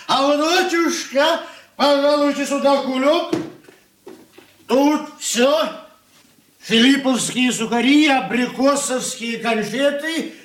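A tipsy clowning son-in-law. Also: male voice, very high-pitched, roomy sound, heavily acted. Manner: mock-pious, clowning, theatrical. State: drunk. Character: tipsy, showy male merchant's clerk son-in-law. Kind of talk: 1980s radio play acting.

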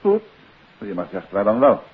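A Dutch actor playing a composed, wry gentleman detective in a 1950s radio play, on an old recording. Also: fairly low pitch, big pitch swings, brisk, narrow, tinny audio. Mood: composed, courteous.

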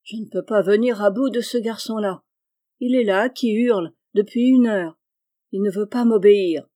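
A woman's voice: mid-range voice, fairly even intonation, brisk, warm tone, lightly acted. A woman reading aloud, voicing an exasperated peasant aunt who scolds and grumbles. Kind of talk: audiobook reading.

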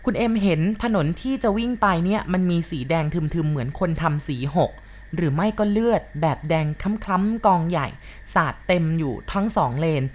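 A woman with a fairly low voice tells a ghost story at an unhurried, measured pace. Her delivery is polite and steady, like someone recounting a listener's experience. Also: a little hiss or hum. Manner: measured retelling with polite particles.

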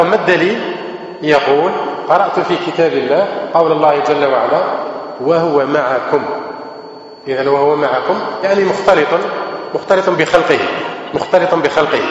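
Man teaching in a booming hall. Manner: repetitive, asks rhetorical questions and answers them. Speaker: religious teacher. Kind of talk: religious lesson to students. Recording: echoey hall, muffled lo-fi sound.

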